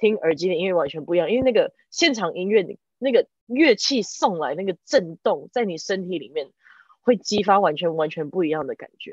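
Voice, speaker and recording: A woman with an ordinary speaking voice talks at a medium pitch and fairly quick pace, using lively intonation and big swings in loudness, in a dry, close sound with no echo. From Taiwan. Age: 30s. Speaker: jazz and tango singer. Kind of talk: casual chat.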